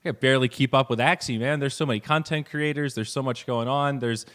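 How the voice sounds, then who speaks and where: A man hosting a casual interview, talking in a relaxed, rambling way with friendly asides. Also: mid-range voice, fairly quick. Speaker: podcast host.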